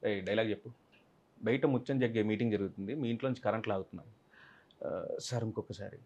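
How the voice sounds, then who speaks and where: A man's voice: lowish voice, fast, darkish tone, lo-fi sound. A man, an actor being interviewed, telling a film-set story animatedly and acting out other people's lines. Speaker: actor guest.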